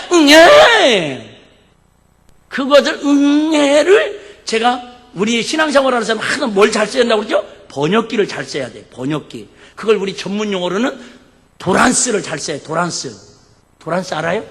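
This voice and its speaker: An animated male pastor preaching with sharp, bright energy, joking back and forth with his congregation and breaking into shouts. His high, lively voice rings through a reverberant church sanctuary. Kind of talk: sermon. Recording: echoey church hall.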